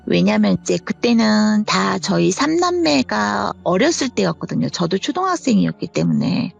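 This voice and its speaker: A woman in her fifties tells a true horror story from her childhood in an easy, conversational way, slipping into the voices of her family as she goes. Her pitch rises and falls a lot and has a gravelly edge to it. The recording sounds slightly dull, with faint music underneath. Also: wildly swooping pitch, moderate pace. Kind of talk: first-person horror story telling.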